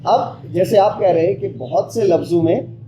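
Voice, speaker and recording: A male teacher with a slightly higher voice runs an interactive pronunciation lesson. He sounds out single letters with emphasis and keeps quizzing his listener. The sound is echoey with a steady hiss of background noise. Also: normal speed.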